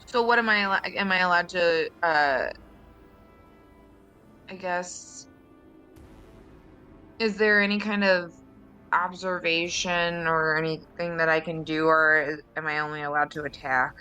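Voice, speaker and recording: Bright-voiced woman, tentative tabletop gamer. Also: on the low side, fairly even intonation, a little slow, long pauses, faint music behind. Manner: tentative, questioning. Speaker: player in a tabletop game. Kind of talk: casual game chat.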